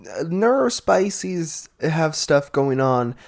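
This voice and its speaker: A podcast co-host in casual conversation, speaking haltingly in short, agreeing remarks. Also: mid-range voice, sing-song, gravelly, darkish tone.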